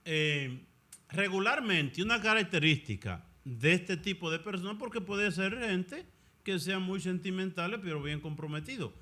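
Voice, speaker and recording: A man who is a Catholic priest, talking in an animated conversational way and sometimes acting out other people's voices. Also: sits high, normal speed. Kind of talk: conversational discussion.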